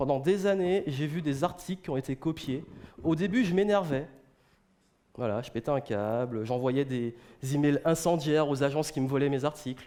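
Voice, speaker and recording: A man's dark, mellow voice, fairly high-pitched, with ordinary pitch variation, a moderate pace and long, frequent pauses. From Vietnam. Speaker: content creator and conference speaker. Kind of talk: conference talk. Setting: stage with audience. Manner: calm, soft-spoken.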